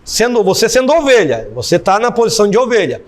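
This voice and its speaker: A man's voice: sits high, very animated, fast talker. A man teaching a theology class, explaining step by step and repeating key phrases for emphasis. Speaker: theology professor. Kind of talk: classroom lecture.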